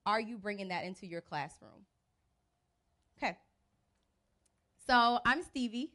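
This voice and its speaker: A young American woman gives an informal talk to teachers. Her voice sits at a middle pitch, and her delivery is chatty and colloquial. She speaks through a handheld microphone under an event tent. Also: lively intonation, a little slow, bright, forceful tone. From United States (Birmingham, Alabama and Cleveland, Ohio). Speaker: teacher coach giving a talk. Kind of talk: informal presentation to a live audience. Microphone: handheld mic through PA speakers.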